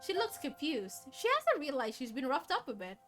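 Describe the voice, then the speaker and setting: A woman with a high, very lively voice reads a visual novel on stream over clear background music. She slips between dramatic narration and casual, chatty commentary. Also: normal speed. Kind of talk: reading a visual novel aloud, casual asides. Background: game music.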